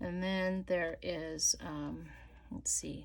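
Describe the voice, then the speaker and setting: A woman is talking. She is soft-spoken. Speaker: crafting YouTuber. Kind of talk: casual crafting tutorial chat. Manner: quiet, soft-spoken; hesitant, many fillers.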